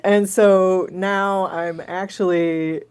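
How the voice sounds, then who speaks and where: A woman's voice: on the low side, steady tone, takes it slowly, darkish tone, clear, resonant tone. A woman gallery curator, a guest on a radio interview, talking chattily and enthusiastically about upcoming exhibits. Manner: chatty, enthusiastic, laughs easily.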